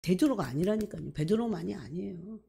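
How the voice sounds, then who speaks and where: Woman pastor, sermon delivery, animated and questioning; mellow, slightly breathy tone. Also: lowish voice, brisk. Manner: animated, rhetorical questions to the congregation, filler "막" and "예?".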